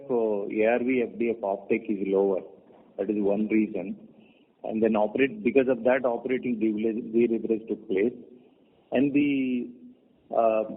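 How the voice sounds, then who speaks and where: A man with an Indian accent, a company executive answering questions on a conference call, haltingly listing his points one by one. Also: mid-range voice. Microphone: conference call phone. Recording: muffled narrowband conference call line.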